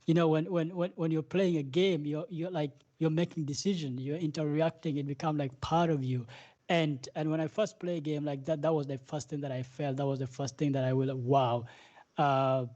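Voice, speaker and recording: A man's voice: fairly high pitch, fairly even intonation, brisk, dark tone, highs cut off. A man with an East African accent answering interview questions conversationally, repeating phrases as he builds his thoughts. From South Sudan and northern Uganda. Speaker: guest game developer.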